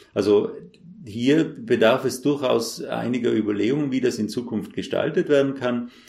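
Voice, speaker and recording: This man talks at a medium pitch in a dark, mellow tone. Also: ordinary pitch variation, moderate pace. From South Tyrol, Italy. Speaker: professor. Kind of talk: interview.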